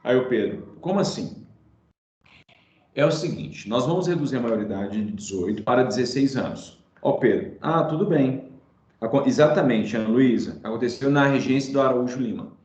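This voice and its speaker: A Brazilian man teaching history informally in an online class, telling it like a story in an animated, colloquial way and repeating points for his students. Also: mid-range voice, moderate pace. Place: indoor room, online class. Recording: roomy, dull sound of an online class.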